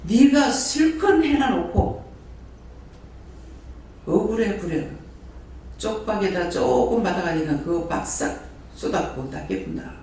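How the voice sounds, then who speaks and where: A man's voice: sits high, animated, takes it slowly, pauses often, a little mellow. A man preaching a sermon as prayer house director, firing repeated rhetorical questions at the congregation. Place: church hall. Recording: very echoey hall, voice from far off, faint noise.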